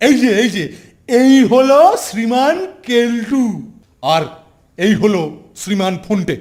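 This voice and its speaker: A man's voice: extremely high pitch, measured pace. A man voicing a fussy, effusive middle-aged schoolmaster who repeats himself in a cartoon. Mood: effusive, fawning. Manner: fawning, repeats his words excitedly. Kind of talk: cartoon voice acting. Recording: music behind.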